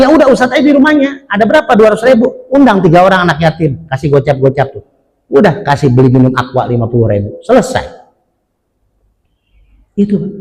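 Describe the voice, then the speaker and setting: A middle-aged man preaching in a mosque, speaking, swinging between loud emphatic lines and quiet asides. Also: medium pitch. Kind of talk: mosque sermon. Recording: long hall reverb.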